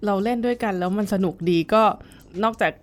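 Recalling her past in a casual interview, a middle-aged female violin teacher speaks thoughtfully, full of fillers and restarts. She has a mid-range voice, talks a little fast, and faint music sits behind her.

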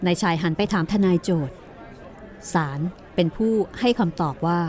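A woman's voice: lowish voice, normal speed, darkish tone, a faint crowd. A woman narrating a courtroom mystery story in a storytelling style.

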